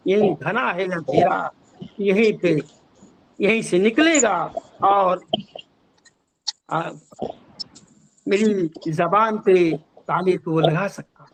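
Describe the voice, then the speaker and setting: A man's voice: high voice, a little hiss or hum, rough recording. A man, a poet, reciting his ghazals over a video call and repeating each couplet twice.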